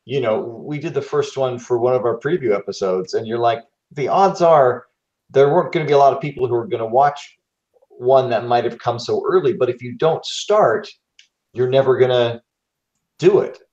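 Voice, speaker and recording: A man's voice: mid-range voice, moderate pace, a little mellow. A man co-hosting a podcast in casual conversation, recorded with a dull, roomy sound. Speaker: podcast co-host. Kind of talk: casual chat.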